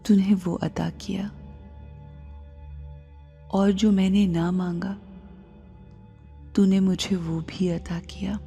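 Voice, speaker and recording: A woman with a South Asian accent leads a guided meditation in a measured, hushed way, phrases trailing into a breathy near-whisper. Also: medium pitch, level tone. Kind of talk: slow, soft Islamic guided meditation. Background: music bed.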